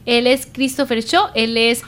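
Woman radio interviewer, fairly high voice, friendly and encouraging questions. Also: a little slow, fairly bright tone.

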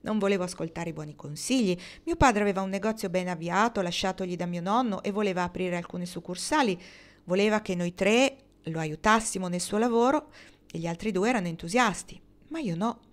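A woman reading the part of a restless, stubborn male builder who calls himself his family's black sheep, in a calm, measured way. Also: medium pitch, lightly acted. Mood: resentful. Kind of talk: audiobook reading.

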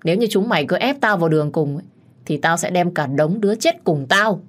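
A woman voicing a crazed, violent young man with a knife, shouting menacingly. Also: lowish voice, expressive, a little fast. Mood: furious.

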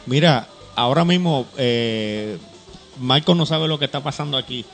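A man's voice: mid-range voice, moderate pace, a bit bright, soft background music. A man co-hosting a Christian program, talking casually and explaining things with plenty of fillers. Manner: chatty and explanatory, many fillers. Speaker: co-host. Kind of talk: casual church talk-show chat.

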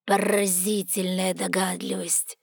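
A woman voicing a proud, sardonic male talking raven with a hoarse, croaking voice and a slow, cold, mocking manner. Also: medium pitch, flat delivery, dry recording, studio quality. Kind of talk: audiobook character voice.

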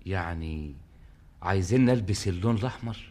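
Fast-talking, earnest young bridegroom. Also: male voice, deep voice, darkish tone. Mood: polite, agreeable. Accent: Egyptian Arabic. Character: earnest, deferential human bridegroom of a jinn princess. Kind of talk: theatrical drama acting. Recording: clear background noise.

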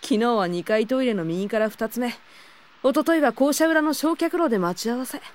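A woman playing a considerate, easygoing high school boy in an audio drama, speaking casually and reassuringly. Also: expressive, moderate pace, lightly acted. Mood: wry. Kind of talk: Japanese audio drama acting.

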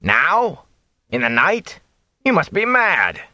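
A man doing a shrill, blustering town watchman. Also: wildly swooping pitch, takes it slowly, no echo, exaggerated voice. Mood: incredulous. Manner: loud, incredulous, bossy. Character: blustering middle-aged male town watchman.

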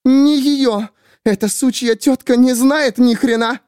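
A man's voice: high voice, normal speed, mellow, no room sound, voice pushed up, close to an everyday voice. A man voicing a jealous, unhinged young woman who holds a gun and swings between shrieking fury and deluded pleading, in a dry, close recording. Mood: screaming. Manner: hysterical, volatile, shrieking.

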